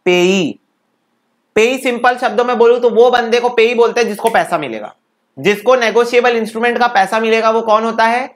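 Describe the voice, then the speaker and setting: In an extremely high, slightly bright voice, a man briskly delivers an exam-prep law lecture. He breaks definitions into phrases for students to repeat, then poses and answers his own questions.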